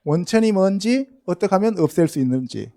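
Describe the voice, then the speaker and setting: A man's voice: sits high, expressive, a little fast, dark tone. A man preaching a Sunday sermon as pastor, often asking the congregation rhetorical questions and calling on them directly. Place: church sanctuary.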